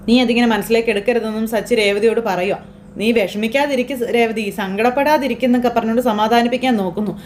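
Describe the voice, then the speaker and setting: A woman's voice: fairly high pitch, darkish tone, a little hiss or hum. A woman casually retelling a TV serial episode as a chatty storyteller, quoting the characters' lines herself. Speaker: serial recap narrator.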